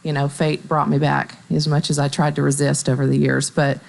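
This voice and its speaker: A woman in her thirties from Middle Tennessee, a bank marketing staffer talking on local radio in a measured, upbeat way with fillers. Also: deep voice, little pitch movement, vocal fry. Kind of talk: radio interview.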